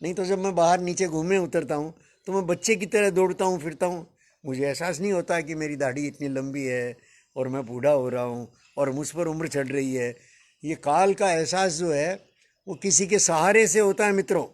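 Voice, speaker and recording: An older man in his seventies speaks as a spiritual teacher, his voice sitting somewhat high for a man. He muses slowly through a reflective discourse, calls his listeners friends and lets a soft chuckle slip in now and then. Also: steady tone. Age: 70s.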